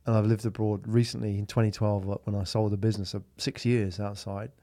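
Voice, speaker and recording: A man's voice: on the low side, flat delivery, brisk, dark tone, dry recording, clean studio sound. A man hosting a podcast interview, asking casual, probing questions. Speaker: podcast host. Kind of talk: conversational interview.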